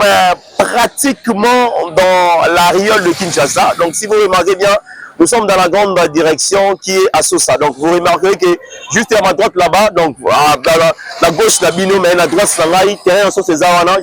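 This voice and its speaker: A man's voice: sits high, expressive, normal speed, crowd noise, rough recording. A man with a Congolese French accent hosting a casual talk show, rambling with lots of fillers and restarts, recorded outdoors. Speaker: host. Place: outdoors in a busy street area.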